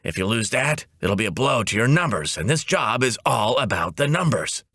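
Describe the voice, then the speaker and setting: A wisecracking female office boss as voiced by a man, bright and forceful. The delivery is breezy and emphatic, with pitch leaping around in comic audiobook style. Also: very animated, moderate pace, dry recording, studio quality. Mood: breezy, blunt.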